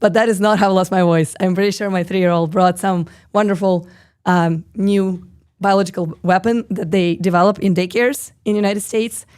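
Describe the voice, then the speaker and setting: A woman in her thirties hosting a live stream with a hoarse, husky voice, chatting casually and reading viewer comments aloud with lots of fillers. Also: medium pitch, fairly even intonation, moderate pace, a little mellow. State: hoarse, lost voice.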